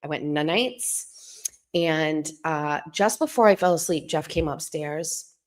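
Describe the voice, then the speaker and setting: A middle-aged woman hosting a live stream from home, chatting in a hushed, rambling way so she won't wake anyone. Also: takes it slowly. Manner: talking low and hushed to keep from waking someone; chatty and rambling, full of asides and restarts.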